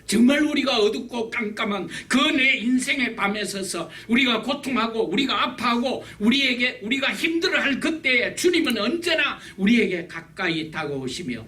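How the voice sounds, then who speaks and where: A man preaching a sermon, emphatic and repetitive, his loudness swinging widely. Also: very high voice, lively intonation, normal speed, hardly any pauses. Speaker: pastor. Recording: distant mic with faint background hiss.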